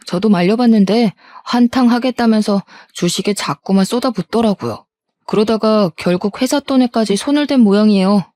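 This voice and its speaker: A woman's voice: medium pitch, mellow, no room sound, close to an everyday voice. A woman voicing a husband's worried middle-aged best friend, talking earnestly in a drama story.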